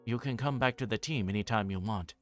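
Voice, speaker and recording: A man's voice: on the low side, a little fast, fairly bright tone, soft background music. A man livestreaming a visual novel, reading the story aloud as narration with his own asides and voicing the dialogue. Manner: voices characters' dialogue while reading.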